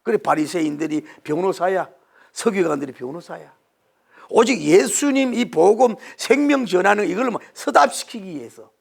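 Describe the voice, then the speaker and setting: High gravelly male preacher. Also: lively intonation, normal speed. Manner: emphatic, rhetorical questions, swings from loud to hushed. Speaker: pastor. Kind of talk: sermon.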